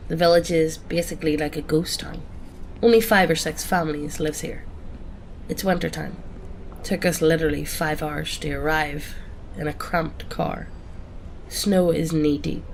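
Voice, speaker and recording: Woman with a cold for calm horror-story narration, deep and gravelly. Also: slight background noise, rough recording. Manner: calm first-person storytelling. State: has a cold. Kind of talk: reading a greentext horror story.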